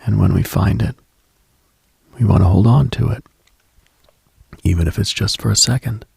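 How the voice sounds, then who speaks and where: A man hosting a late-night radio show in an intimate, contemplative monologue, hushed and unhurried, with a husky, gravelly, breathy voice. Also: fairly low pitch, no room sound. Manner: hushed, unhurried, contemplative, addresses listener directly.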